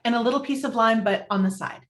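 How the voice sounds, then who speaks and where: A woman's voice: on the high side, fast talker, a bit bright, natural voice. A woman playing Sally, a fussy, wry and skeptical young journalist, in a table read of a romantic comedy script. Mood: fussy, particular. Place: indoor room, virtual table read.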